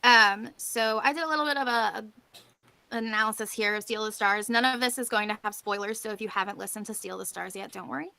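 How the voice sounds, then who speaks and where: A woman's voice: mid-range voice, fast, vocal fry, pushed and bright, no echo. A woman giving an informal conference presentation as a panelist, explaining things in a conversational way.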